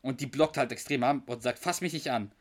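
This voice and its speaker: Man, podcast co-host, casual chat, middle-pitched voice, long retellings with quoted lines, some hesitant fillers. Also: a little fast. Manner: narrates scenes at length, quoting characters, with hesitations.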